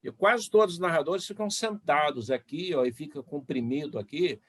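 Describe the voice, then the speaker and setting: A man's voice: a little high, moderate pace, a bit bright, dry recording, studio quality. A man who works as a sports radio announcer, telling anecdotes in a casual panel chat and acting out gestures as he talks. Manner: storytelling, acts out gestures.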